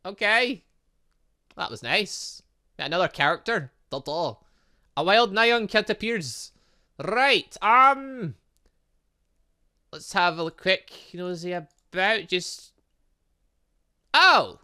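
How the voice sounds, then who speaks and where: A man hosts a video game playthrough with a bright, forward voice. His pitch jumps around in a very lively way. He rambles playfully and breaks into exclamatory asides as he comments. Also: slow, long pauses, clear, resonant tone. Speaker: gaming channel host. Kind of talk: excitable let's-play commentary, reading dialogue aloud.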